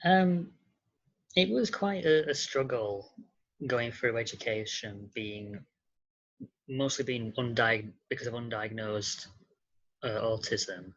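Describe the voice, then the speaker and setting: A male voice in the late twenties, giving a personal account as a podcast guest in hesitant, halting phrases. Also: mid-range voice, muffled recording.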